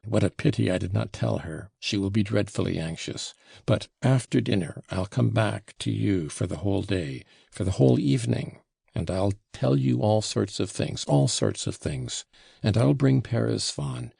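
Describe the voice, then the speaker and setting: A man voicing a proud, impulsive schoolboy in an audiobook, with an abrupt, hurried and brusque manner. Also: lowish voice, vocal fry, mellow, slightly rough, no room sound, studio quality, full character voice. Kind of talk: audiobook character voice.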